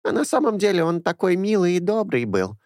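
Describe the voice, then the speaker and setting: A man's voice: sits high, very animated, a little fast, a little mellow, dry recording, clean studio sound, voice pushed up. A man voicing a talkative old woman in her sixties, a former caretaker who rambles fondly and confidingly.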